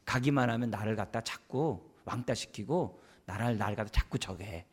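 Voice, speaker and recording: A man's voice: on the low side, moderate pace, slightly rough, voice pushed down. A man doing a sulky little kid. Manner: whiny, sulky. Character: sulky young child not wanting school.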